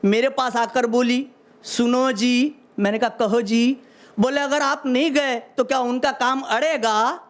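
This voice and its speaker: Deadpan male comic poet reciting. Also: very high-pitched, measured pace. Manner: deadpan, repeats lines for effect. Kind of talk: reciting comic poetry on stage.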